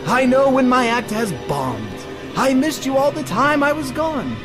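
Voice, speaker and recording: An actor playing a sadistic, theatrical clown villain who taunts like a stage comedian in an audio drama. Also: male voice, extremely high pitch, sing-song, unhurried, over music, full character voice. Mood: menacing taunting.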